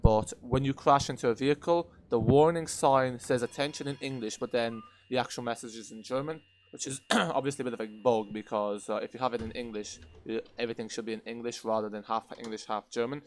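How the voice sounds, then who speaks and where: A man reviewing a game in unscripted commentary over gameplay, explaining in a measured, hesitant way. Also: medium pitch, steady tone, a little hiss or hum.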